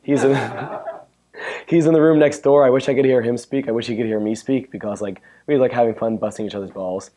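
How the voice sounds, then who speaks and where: A man with a hoarse, worn-out voice giving a chatty, joking technical talk at a conference and bantering with the audience. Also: mid-range voice, brisk, warm tone. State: hoarse, losing his voice. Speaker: conference speaker. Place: conference room. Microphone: handheld or stand mic.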